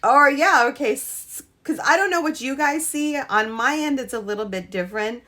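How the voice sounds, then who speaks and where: A woman hosting a casual live crochet stream, chatting with viewers, her voice a little hoarse from a cold. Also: high-pitched, normal speed, sharp tone. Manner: chatty, greets viewers, trails off and restarts. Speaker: crochet livestream host.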